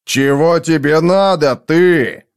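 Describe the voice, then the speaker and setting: A man voicing a sullen, menacing scarred brute who growls slowly. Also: medium pitch, very animated. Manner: growling, slow and threatening.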